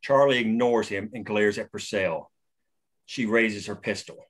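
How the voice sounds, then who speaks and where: A man reads a screenplay's action lines aloud at a table read, steady and matter-of-fact. His voice sits somewhat low. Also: measured pace, poor audio. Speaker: stage direction reader.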